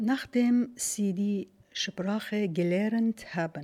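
A somewhat breathy woman with an Arabic accent, dark, mellow tone, medium pitch, ordinary pitch variation and a very slow pace. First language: Arabic (speaking German). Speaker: radio journalist. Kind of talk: interview.

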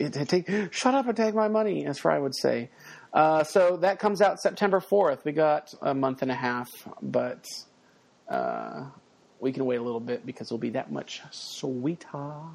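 A man with a plain, everyday voice, a fairly high pitch, lively intonation and a moderate pace. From Dallas, Texas. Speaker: co-host, horror fan. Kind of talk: casual podcast chat.

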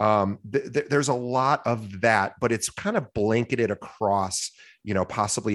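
Over a quiet background, a man with a normal speaking voice talks at a moderate pace in a medium pitch, with ordinary pitch variation. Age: 40s. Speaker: podcast host. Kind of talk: interview conversation.

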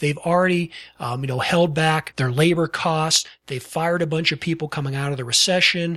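A man's fairly high, bright, sharp voice at a fairly quick pace, with fairly even intonation. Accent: Western Pennsylvania. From Western Pennsylvania. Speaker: podcast host and money manager. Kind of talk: solo podcast commentary on investing.

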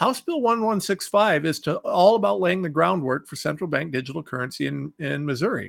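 With hardly any pauses, a man with an American accent speaks at a fairly quick pace and fairly high pitch, swinging very widely in pitch on a very clean recording with a silent background. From Ohio. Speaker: podcast host. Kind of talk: solo commentary monologue. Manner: animated, repetitive.

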